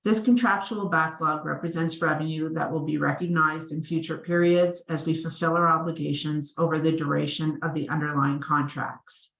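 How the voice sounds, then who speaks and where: A woman finance executive giving a prepared, formal, measured presentation on an earnings call. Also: deep voice, steady tone, gravelly, a bit bright. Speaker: chief financial officer presenting results. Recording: roomy, echoing sound.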